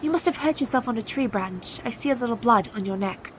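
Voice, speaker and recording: An actress playing a caring, composed young woman who speaks in steady, formal period English in a radio play. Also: fairly high pitch, fast talker, slight background noise, close to an everyday voice, low-quality recording. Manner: steady, reassuring, formal speech.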